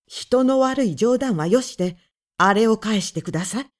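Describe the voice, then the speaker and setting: A woman's voice: a little high, lively intonation, normal speed, close to an everyday voice. A woman voicing a thin, prim woman of about forty who speaks in a clipped, sharply indignant way.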